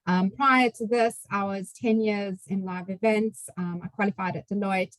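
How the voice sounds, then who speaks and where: A woman's voice: mid-range voice, fairly even intonation, normal speed, no room sound, rough recording. A woman with a strong South African accent, a finance chief telling a funny story on a video call. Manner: storytelling, laughs through anecdotes. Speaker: CFO, panelist.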